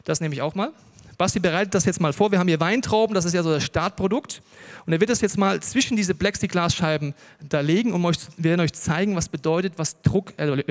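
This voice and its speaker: A man preaching a sermon to a live audience, telling stories and joking with the listeners. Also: high voice. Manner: lively storytelling, jokes with the audience. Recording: long reverb of a large hall.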